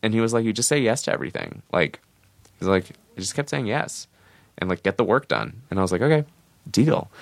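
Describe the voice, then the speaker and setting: In an American accent, a man with medium pitch and vocal fry talks at a very fast pace broken by long, frequent pauses, the sound dry and close with no echo. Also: lively intonation. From Los Angeles, US West Coast. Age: 30s. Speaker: comic book writer and artist. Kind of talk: casual chat.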